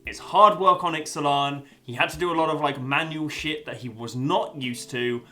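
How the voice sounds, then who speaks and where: A young man with a mid-range, pushed, bright voice gives a casual spoken review of a story as a video essayist. He rambles with lots of fillers and restarts and swears occasionally.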